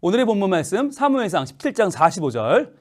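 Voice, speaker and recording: A man's voice: sits high, fast. A male pastor giving a playful children's sermon, asking the children lots of questions. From Korea. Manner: playful, animated storytelling with questions to the audience.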